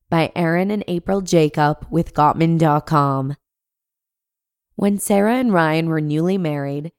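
Woman podcast narrator, congested from a cold, lowish voice, dry close sound, friendly asides. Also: darkish tone, clear, resonant tone, no echo. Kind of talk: reading a blog post aloud.

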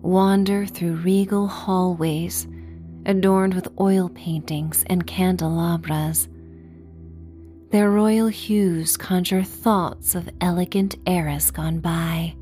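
A woman narrating a sleep story and guided meditation softly and gently, with a breathy voice that drifts near a whisper. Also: on the low side, steady tone, faint music behind. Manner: slow, gentle, measured. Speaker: podcast host and meditation guide.

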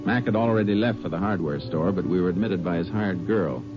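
A man playing a calm, shrewd Texas Ranger in a 1950s radio drama, laconic and persistent, on a muffled old radio recording. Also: sits low, brisk, over music, natural voice. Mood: matter-of-fact narration. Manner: laconic, matter-of-fact.

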